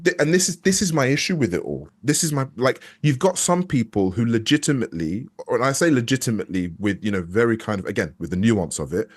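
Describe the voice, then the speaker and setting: He speaks quickly with few pauses, in a sing-song, medium-pitched voice that's slightly rough. A young adult actor interviewed as a guest, he talks casually and honestly, thinking aloud with frequent hesitations and restarts.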